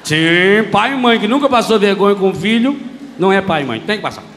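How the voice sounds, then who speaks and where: A Brazilian man with a Brazilian Portuguese accent, preaching a lively, humorous sermon as a priest and acting out voices, in a reverberant church hall. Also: sits high, fairly quick, a little hiss or hum.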